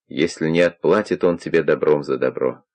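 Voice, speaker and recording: A man reading the part of a calm, kindly older investigator who questions in a persuasive, probing way. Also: rumbling low, normal speed, voice pushed down.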